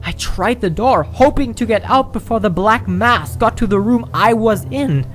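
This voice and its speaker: A man's voice: high-pitched, normal speed, fairly bright tone, soft background music. A man narrating a first-person ghost story, dramatic and at times dropping to a whisper.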